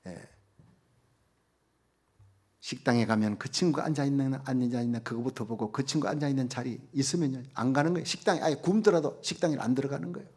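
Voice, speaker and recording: A middle-aged male pastor giving a sermon, telling a story in a hushed voice and rising to loud, fervent preaching. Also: medium pitch, a little fast, breathy edge.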